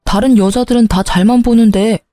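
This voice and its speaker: A woman's voice: on the high side, steady tone, fairly quick, dark tone, no room sound, soft background music, lightly acted. A woman voicing a selfish young husband who argues and shifts the blame. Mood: defensive. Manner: argumentative, blaming.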